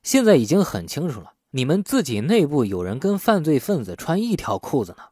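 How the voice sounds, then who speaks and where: Man playing a cheeky, husky-voiced male suspect. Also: a little high, big pitch swings, a little fast, warm tone, no echo, clean studio sound. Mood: sardonic, protesting. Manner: sardonic, protesting, rhetorical questions. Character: cornered, cheeky, argumentative male suspect talking back to police. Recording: faint music bed under the voice.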